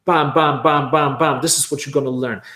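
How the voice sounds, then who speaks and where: A man from Poland, Polish his first language, giving an energetic online workshop on making courses, stressing points with "right?" and repeated "bam". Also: mid-range voice, moderate pace, echoey room, a little hiss or hum.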